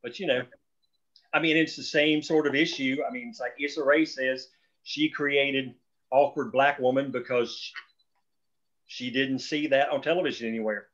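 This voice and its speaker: A man's voice: mid-range voice, steady tone, normal speed, a bit bright. A man talking casually and emphatically on a group call, rambling through his opinions and sometimes swearing. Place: group video or phone call. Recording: dull, lo-fi call audio.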